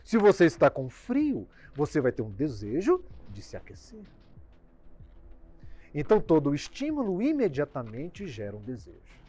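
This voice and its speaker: A Brazilian man, a doctor, explaining habits in an emphatic talk that swings from loud bursts to quiet endings. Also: on the high side, huge pitch swings, normal speed. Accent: Brazilian Portuguese.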